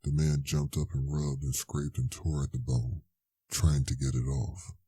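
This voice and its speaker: A man narrating a scary story in a deliberate, suspenseful scripted style. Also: a bass voice, level tone, mellow, husky, no echo.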